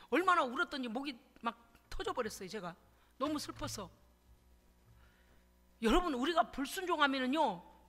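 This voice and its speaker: A woman pastor preaches with dramatic swings from hushed whispers to shouts. Her high, lively voice is very bright. It rings out in a church hall with a long reverb. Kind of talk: emotional sermon with testimony.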